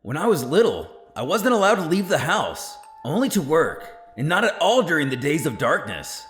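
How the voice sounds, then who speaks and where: Man doing an earnest young fighter hero, raised pitch. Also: sing-song, moderate pace, roomy sound, faint music behind. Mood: wistful.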